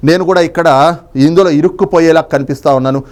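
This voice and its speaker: Male political analyst, high pitch, quick delivery, emphatic monologue style with rhetorical questions. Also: a little mellow. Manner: emphatic, long winding sentences with rhetorical questions.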